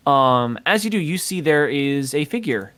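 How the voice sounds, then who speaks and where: A man's voice: fairly high pitch, lively intonation, normal speed, a bit bright. A man narrating as game master of a tabletop game, hesitant and full of filler words. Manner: hesitant, full of ums and kinda.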